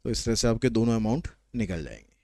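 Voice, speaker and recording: A man's voice: fairly low pitch, expressive, fast, creaky, darkish tone, dry recording, clean studio sound. A man teaching a maths lesson online, explaining problems step by step in a chatty, nudging way. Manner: explains step by step, code-switching English questions into explanation.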